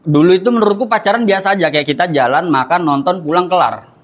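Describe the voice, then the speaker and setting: A man's voice: sits high, fast, heavy background noise. A young man doing stand-up comedy, chatting and often turning to the crowd.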